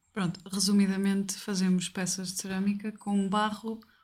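A somewhat breathy woman's voice at medium pitch and moderate pace. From Portugal, Chaves (Trás-os-Montes). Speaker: ceramic artist. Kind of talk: casual interview. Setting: pottery studio. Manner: hesitant.

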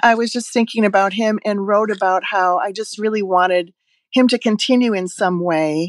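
With an American accent, a woman talks in a normal speaking voice at medium pitch and a moderate pace, her intonation fairly even against a quiet background. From United States. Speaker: podcast listener, widow. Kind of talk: interview; reading aloud.

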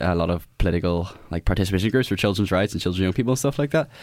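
A man with a Northern Irish accent, very deep, low pitch and ordinary pitch variation, on a very clean recording with a silent background. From Belfast, Northern Ireland. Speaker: youth campaigner.

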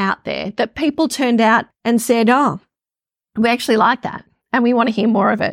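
A woman with an Australian accent speaks at a high pitch and a moderate pace, her sound dry and close with no echo. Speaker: podcast host, former radio broadcaster and media coach. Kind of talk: solo podcast monologue. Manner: laughs often.

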